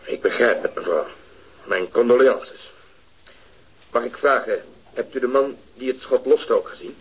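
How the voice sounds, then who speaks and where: An actor playing a patient, methodical police detective in a radio drama. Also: male voice, medium pitch, a little slow, husky, lo-fi sound. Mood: polite. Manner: polite, methodical questioning. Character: patient police detective, middle-aged man.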